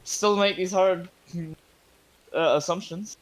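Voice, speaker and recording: An Australian man joking around at a tabletop game, with a fairly high voice and a slow, drawn-out delivery. His banter is loose and sprinkled with swearing. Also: fairly even intonation. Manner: joking, profane. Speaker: player.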